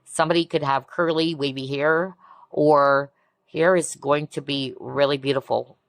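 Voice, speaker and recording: A woman giving a collective tarot reading in a soft, reassuring way, often breaking into amazed exclamations. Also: low voice, fairly even intonation, moderate pace, no echo. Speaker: tarot reader. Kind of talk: pick-a-card tarot reading.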